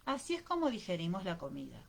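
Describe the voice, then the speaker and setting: Woman reading as a calm lady doctor explaining stuff patiently to a kid, soft and low. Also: fast, gravelly, heavily acted. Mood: reassuring.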